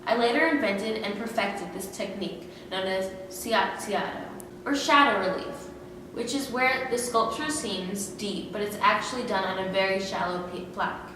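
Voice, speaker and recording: A woman's voice: medium pitch, normal speed, close to an everyday voice. A woman playing a friendly, self-assured male Renaissance sculptor, speaking plainly in a school-style historical skit. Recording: echoey hall from far off, noisy.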